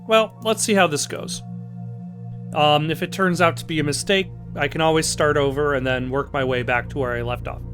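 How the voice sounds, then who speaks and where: Casting: male gameplay commentator, lighter raised pitch, unscripted and halting, chatting through his thoughts over music. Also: a bit bright. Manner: halting, thinking aloud. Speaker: let's play host. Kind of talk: casual, improvised gameplay commentary.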